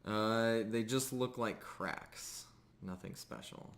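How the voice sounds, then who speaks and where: A man working as game master, narrating a tabletop roleplaying game in a halting, measured way. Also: on the low side, gravelly.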